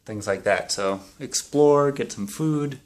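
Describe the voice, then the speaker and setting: A man's voice: mid-range voice, slow pace. A man in his thirties, an upbeat travel vlogger talking casually to a camera held at arm's length. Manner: upbeat, chatty, laughs often. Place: outdoors on windy streets and indoors in rooms. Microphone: handheld camera at arm's length. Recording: loud wind noise on camera mic.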